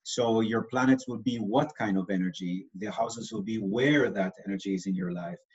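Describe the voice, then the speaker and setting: A man's voice: lowish voice, a little fast, dull audio. A man from Israel with an Israeli accent, explaining things patiently in an interview, with lots of fillers. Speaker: astrologer guest.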